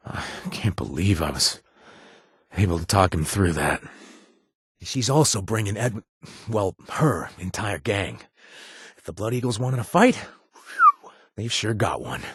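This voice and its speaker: An actor playing a gruff but awkward, loyal wasteland bartender in a video game, with a husky voice and a halting, casual delivery. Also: male voice, fairly low pitch, sing-song, a bit bright, dry recording, studio quality, full character voice. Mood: shaken, weary, then businesslike. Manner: halting, stammering, casual and self-deprecating. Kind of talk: naturalistic video game dialogue.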